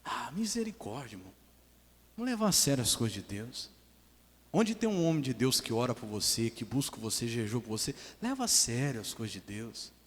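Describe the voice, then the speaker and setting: A man's voice: medium pitch, lively intonation, a little fast, in a large hall. A man preaching a sermon as pastor in a church, emphatic, calling for amens and mimicking his congregation.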